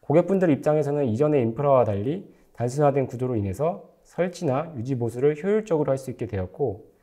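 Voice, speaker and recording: A man's voice: mid-range voice, expressive, fast talker, warm tone. A man presenting a prepared technical webinar lecture in a formal, explanatory manner. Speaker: technical lecturer, company engineer.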